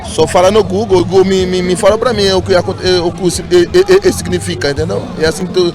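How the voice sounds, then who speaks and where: A man's voice: sits high, fairly even intonation. A man from Haiti, talking in a news interview, stumbling and repeating words. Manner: rushed, stumbling repetitions. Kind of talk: interview answer. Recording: street news clip with music and crowd.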